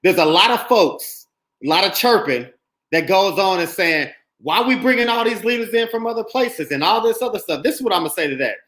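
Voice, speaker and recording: Male podcast host, outspoken and emphatic, bright forceful tone. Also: high voice, fairly quick, roomy sound, low-quality recording. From Indianapolis, USA. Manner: emphatic, animated, speaks his mind. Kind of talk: casual podcast discussion.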